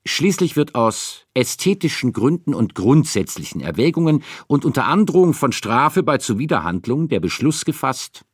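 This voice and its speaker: A man's voice: mid-range voice, sing-song, normal speed, hardly any pauses, husky, no echo, clean studio sound. A man reading scripted documentary narration.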